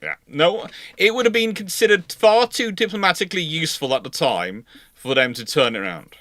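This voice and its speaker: Bright-voiced man discussing history live. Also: on the high side, animated, a little fast, no echo, studio quality. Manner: hesitant, self-correcting, emphatic repetition.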